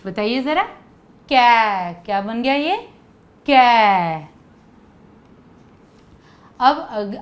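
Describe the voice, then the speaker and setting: A woman teaching young children, coaxing them with questions and asking them to repeat sounds after her. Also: medium pitch. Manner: coaxing, asks kids to repeat. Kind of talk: children's lesson.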